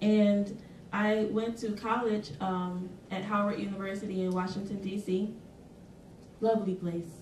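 The voice moves at a fairly slow pace in a monotone, flat intonation, with long, frequent pauses, audible room echo and light background noise. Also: woman. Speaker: panelist, international development worker. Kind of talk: interactive presentation. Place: meeting room. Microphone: camera far.

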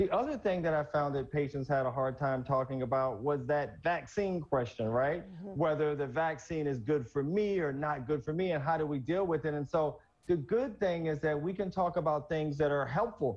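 Somewhat breathy, a man speaks at a moderate pace with ordinary pitch variation and hardly any pauses. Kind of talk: interview answer. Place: home room. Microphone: video call.

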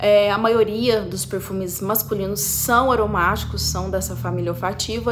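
Faint background music under a woman talking at a moderate pace. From Brazil. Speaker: perfume reviewer, YouTuber. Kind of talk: product review video. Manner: chatty, informal. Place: home room. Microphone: phone near.

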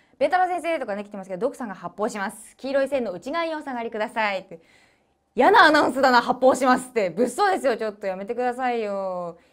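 The voice moves at a very fast pace with very wide pitch swings over a quiet background. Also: woman, high pitch for a woman, big swings in loudness. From Ibaraki, Hitachi city; Ibaraki, Japan. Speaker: show assistant co-host. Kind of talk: casual chat. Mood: playful, laughing. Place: studio.

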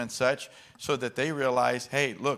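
A quiet background and a man's voice at a moderate pace. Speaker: pastor honoring a guest. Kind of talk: sermon-style tribute speech. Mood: warm, admiring, lightly laughing. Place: church. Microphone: handheld.

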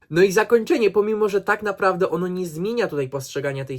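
The man speaks at a high pitch with lively intonation. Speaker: book YouTuber. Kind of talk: casual vlog monologue.

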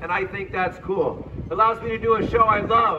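A loud man with an extremely high pitch speaks in an American accent over noticeable background noise. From Northern California, Marin County; Northern California. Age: 60s. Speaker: street performer. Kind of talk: street show performance to a crowd. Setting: outdoors, windy street performance. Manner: loud, projecting to a crowd; animated. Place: street. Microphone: camera far.

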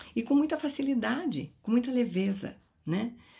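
Against a quiet background, a woman with vocal fry talks at a moderate pace, her pitch swinging very widely. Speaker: spiritual teacher. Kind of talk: spiritual talk to viewers. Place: home room. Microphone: phone near.

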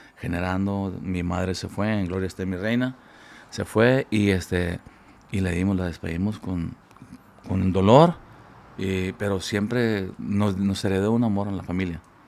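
The man's pitch is very deep and low, his intonation fairly even. He speaks at a fairly slow pace. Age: 60s. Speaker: singer and band leader; interview guest. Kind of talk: interview. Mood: emotional, heartfelt storytelling. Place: studio. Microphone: studio mic.

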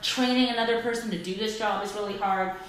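A woman talks at a fairly quick pace with ordinary pitch variation. Light background noise and audible room echo are present. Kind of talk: casual conversation while working. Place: shop.

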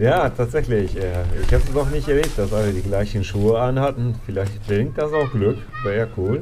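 There is noticeable background noise behind this man. He speaks at a moderate pace with a fairly low pitch and lively intonation. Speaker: disc golf video creator. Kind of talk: live commentary. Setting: outdoors. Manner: animated.

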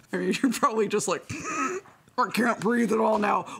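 This put-on character voice is nasal and fairly high in pitch, delivered at a moderate pace. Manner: comedic.

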